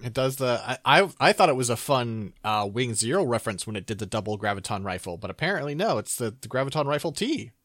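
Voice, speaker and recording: A man's voice: medium pitch, very animated, quick pace, few pauses, fairly bright tone, no room sound. A man co-hosting a casual chat show, teasing his partner playfully. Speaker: podcast co-host.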